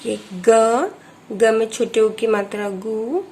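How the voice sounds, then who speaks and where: A woman teacher leads young children through a phonics lesson. She speaks very slowly, pausing after each letter and vowel sign, in a slightly high voice. Her manner is patient and methodical. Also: flat delivery, dark tone. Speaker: primary school teacher.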